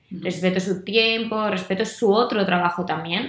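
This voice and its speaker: Room echo can be heard around this woman's voice. Her pitch sits in the medium range, with ordinary variation. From Sweden, half Spanish. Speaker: online florist business co-owner. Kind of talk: casual interview chat. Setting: recorded live in person, shared mic.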